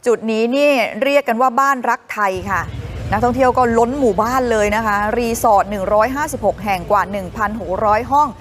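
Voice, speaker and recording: A woman's voice: on the high side, fast talker, slight background noise. A woman co-hosting a morning news show, chatting upbeat to viewers over travel footage. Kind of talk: casual live TV chat over travel footage.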